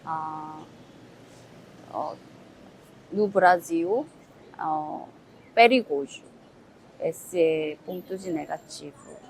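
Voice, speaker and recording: Korean-accented woman in her 30s, interviewee, very slow and halting, low-ish voice. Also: slight background noise, low-quality recording. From South Korea. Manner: halting, searching for words with many "ó" fillers. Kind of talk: casual interview answers.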